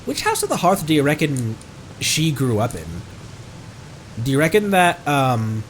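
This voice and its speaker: Male game streamer, higher-pitched, highly animated intonation, jokey off-the-cuff delivery. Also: a little slow, slight background noise, low-quality recording. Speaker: streamer playing and reading out a video game. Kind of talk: casual live game commentary mixed with acted dialogue reading.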